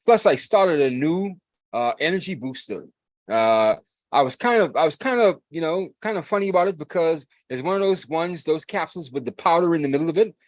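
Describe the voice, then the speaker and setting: A man's voice: on the high side, animated, fairly quick, dry recording, clean studio sound. A man, hosting a podcast in a hyped, rambling casual chat, repeating himself and laughing often. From Bahamas. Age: 40s. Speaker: podcast host.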